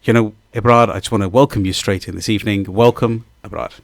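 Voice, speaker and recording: A man hosting a live radio interview, effusive and rambling, with lively ups and downs in his voice. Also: fairly low pitch, fast, gravelly, dry recording. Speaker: radio host. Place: radio studio.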